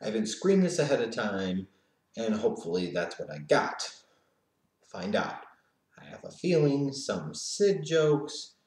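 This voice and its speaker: A man hosts a casual Q&A, reading out viewer questions and cracking jokes with frequent laughter. His voice sits a little low. It rings with the echo of the room around him. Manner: joking, laughing, mocking. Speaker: host. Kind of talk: casual Q&A commentary.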